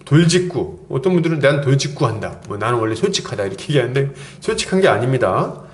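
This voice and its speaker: Lively Korean pastor preaching conversationally. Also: male voice, mid-range voice, fast talker. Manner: conversational preaching, acts out quoted lines, chuckles often. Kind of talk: sermon.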